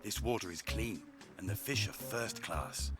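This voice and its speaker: A man's voice: fairly low pitch, animated, unhurried. A grumpy old fisherman. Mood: gruff. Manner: hushing, curt, set in his ways. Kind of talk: game voice acting. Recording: game audio under loud music.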